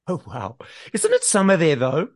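A man's voice: a little high, huge pitch swings, moderate pace, a little mellow, no echo, studio quality. A man hosting an entertainment interview show, moving between scripted introduction and friendly questions. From South Africa. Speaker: podcast host and interviewer.

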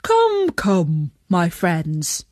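Woman voicing big eager donkey, lower-pitched. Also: huge pitch swings, extremely slow, darkish tone, no room sound, studio quality, exaggerated voice. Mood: rallying. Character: big male donkey, eager leader of animal musicians. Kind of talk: storybook character voice.

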